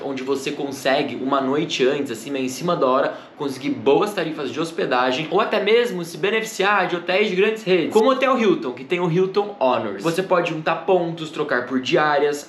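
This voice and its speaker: A man's voice: fairly high pitch, slight background noise. A man in his thirties chatting casually as a travel vlogger, filming himself at arm's length while showing a hotel room and then walking along the waterfront. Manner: chatty and animated, pointing things out as he walks. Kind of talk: casual travel vlog to camera. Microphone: camera held at arm's length.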